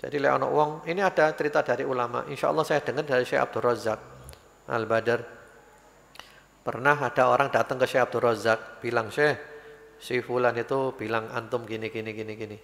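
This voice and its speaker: A man's voice: mid-range voice, steady tone, brisk, vocal fry, fairly bright tone. A man with an East Javanese accent preaching a sermon, telling stories and acting out the voices of the people in them. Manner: storytelling, acts out quoted voices, mixes Javanese into Indonesian. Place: mosque. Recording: live broadcast with long reverb in a mosque.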